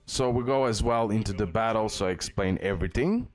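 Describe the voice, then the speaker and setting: Low-voiced man casually explaining a game. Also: brisk. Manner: explanatory, repeatedly checking in with "okay?". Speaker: game guide host. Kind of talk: casual off-the-cuff game tutorial. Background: music.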